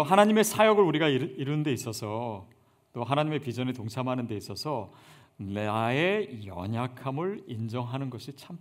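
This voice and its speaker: A man preaching a sermon as pastor, earnest and conversational, building up emphasis on key points. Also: mid-range voice.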